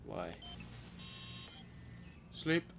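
A man's voice: very slow, noisy background. A young man giving casual let's play commentary, muttering and grumbling as he goes. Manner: muttering, grumbling, reads on-screen text aloud. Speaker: gaming video host. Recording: game music behind voice. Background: video game music.

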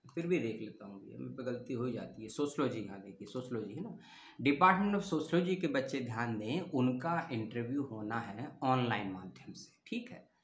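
A man of middle pitch talks in a loose, chatty way, working through long lists and stopping to fix his own mistakes out loud. He calls his listeners brother. The room around him rings with a noticeable echo. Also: expressive, normal speed, a little hiss or hum. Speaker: education channel host. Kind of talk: casual informational talk reading out lists. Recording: roomy echo.

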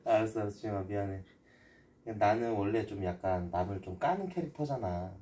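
A man's voice: fairly low pitch, quick pace, dark tone, distant mic. A man streaming casual chat, pleading and asking the same questions again and again. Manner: pleading, repeats questions over and over.

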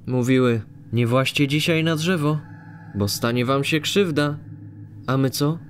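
A man voicing a grim, coldly resolute young man in a cartoon horror fan dub, solemn and deliberate. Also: medium pitch, soft background music, close to an everyday voice.

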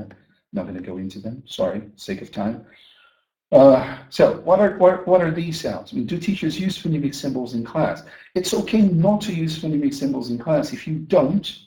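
A man from Brazil training teachers in a lively conference talk, often asking the audience questions and repeating words as he restarts. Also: mid-range voice. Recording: echoey room.

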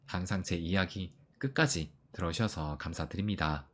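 A man hosting an investing channel, talking earnestly to viewers with frequent filler pauses. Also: deep voice. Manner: earnest, advising, many "eo" fillers. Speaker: crypto investing channel host. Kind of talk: solo talk to viewers.

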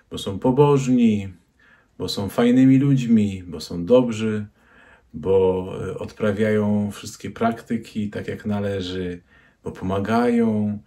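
A man in his forties, a priest, giving a short reflective homily to the camera in a small room. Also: lowish voice. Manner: slow, reflective, with soft hand gestures. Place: small room with a crucifix and bookshelves, indoors. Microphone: camera at close range.

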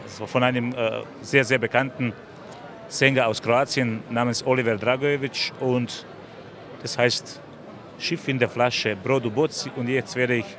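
A man's voice: medium pitch, steady tone, unhurried. A middle-aged man from Bosnia and Herzegovina, a musician, speaking friendly and searching for words at an outdoor festival. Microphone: handheld mic. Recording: crowd noise behind.

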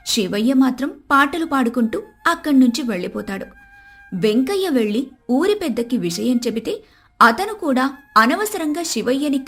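A woman narrates a scripted village tale. Her voice is fairly high, with faint music playing behind it. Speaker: story narrator.

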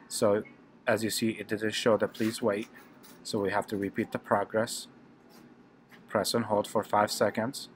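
A man's voice: on the low side, a little hiss or hum. A man hosting a tech tutorial channel, talking through each step plainly and repeating his instructions.

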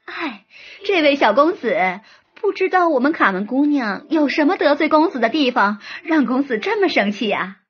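A woman voicing a smooth, worldly brothel madam who placates guests in a slow, soothing way. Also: high-pitched, big pitch swings, muffled recording. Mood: placating.

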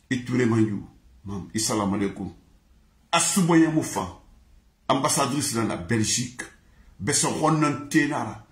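A man singing in a repetitive, chanted, sing-song way. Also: mid-range voice. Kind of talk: chanted song in mixed languages. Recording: echoey room.

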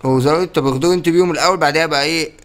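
A young man with an Egyptian accent giving excited let's-play commentary, often exclaiming and laughing. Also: fairly high pitch, very fast, a little hiss or hum. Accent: Egyptian Arabic. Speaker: gaming YouTuber.

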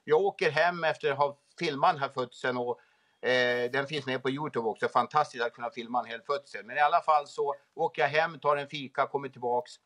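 A man's voice: mid-range voice, fairly even intonation, a bit bright. A middle-aged man chatting casually as an interview guest on a video call from home. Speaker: guest, moose park keeper. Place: room at home, indoors. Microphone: phone video call.

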